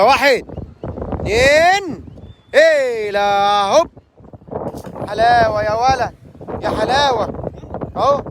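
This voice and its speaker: A man with an Egyptian accent, hosting a boat trip vlog outdoors at sea, loudly teasing and urging people on. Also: sits high, background noise. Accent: Egyptian Arabic. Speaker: tour host.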